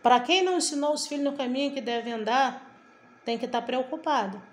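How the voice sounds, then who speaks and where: A woman's voice: high-pitched, brisk. A middle-aged woman from Brazil preaching a devotional sermon in a fervent, emphatic way, often repeating her phrases. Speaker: evangelical preacher.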